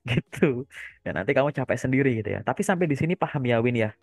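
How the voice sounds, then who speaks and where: A man speaking as a career coach in a relaxed, casual chat, trailing off his sentences with soft fillers. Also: mid-range voice, quick pace, no echo, studio quality, soft background music.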